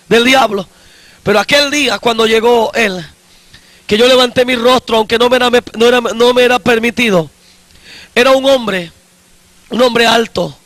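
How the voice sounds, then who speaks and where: A man in his forties, an evangelist preaching his own testimony slowly and emphatically, often repeating his phrases. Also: extremely high pitch, a bit bright, dry recording.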